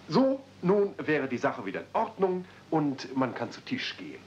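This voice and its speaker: A servile yet wry manservant speaks with courteous radio-play polish. His intonation is very lively, on a muffled old recording with faint noise. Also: on the high side, normal speed. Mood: deferential. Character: polite, dryly teasing manservant of a wealthy house. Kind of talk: 1970s radio play acting. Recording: muffled, noisy old cassette.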